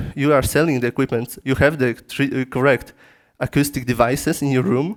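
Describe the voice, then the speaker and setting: Loudness stays very even and intonation fairly even, in a dry, close sound with no echo. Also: man, very clean recording, silent background. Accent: Polish. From Poland. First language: Polish. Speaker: acoustic engineer. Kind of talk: lecture. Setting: conference room at trade fair. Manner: halting, many fillers and restarts.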